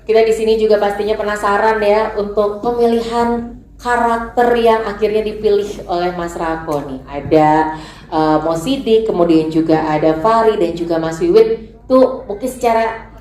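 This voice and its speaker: Female moderator, mid pitch, polite, echoey hall. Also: normal speed, a little mellow. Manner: polite, formal, guiding. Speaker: host of the press conference. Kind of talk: moderating a press conference. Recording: echoey room.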